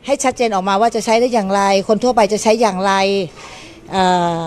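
A middle-aged woman who runs a small eatery, interviewed indoors on a handheld mic, speaking in a measured, slightly halting way. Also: mid-range voice, steady tone, darkish tone, a little hiss or hum. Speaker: small restaurant owner. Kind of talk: street interview. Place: small indoor shop kitchen.

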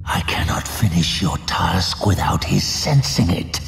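A man voicing a sinister, resentful warlock with a gravelly voice in an audiobook drama. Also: low voice, lively intonation, a little slow, a little hiss or hum, voice pushed down, full character voice. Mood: low, plotting. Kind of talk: audiobook drama character acting. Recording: echoing reverb, music behind.

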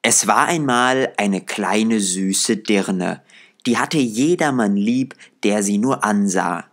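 A man's voice: fairly low pitch, slow, a bit bright. A man reading a fairy tale aloud as a storyteller, in scripted narration.

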